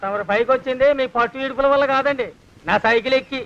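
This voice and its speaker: A man's voice: very high-pitched, fast, gravelly, very noisy. An actor playing a cheeky male servant who teases his master with mock respect. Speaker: film actor. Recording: dull lo-fi film soundtrack.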